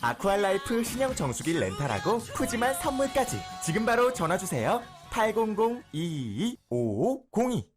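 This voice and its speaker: A woman reads a hard-sell radio commercial with an emphatic promotional push. Her pitch swings in a lively, animated way over backing music. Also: normal speed, few pauses. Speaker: commercial announcer.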